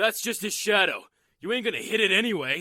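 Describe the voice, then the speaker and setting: Someone uses a raspy, put-on character voice at a fairly quick pace. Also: man. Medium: audio drama. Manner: plain-spoken, blunt.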